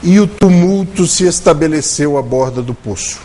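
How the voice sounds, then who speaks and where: A man giving a religious lecture at a spiritist center, telling a story and slowing his delivery to stress key words. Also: on the high side, lively intonation, dark tone, a little hiss or hum. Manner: storytelling, shifts intonation and slows for emphasis. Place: spiritist center meeting room.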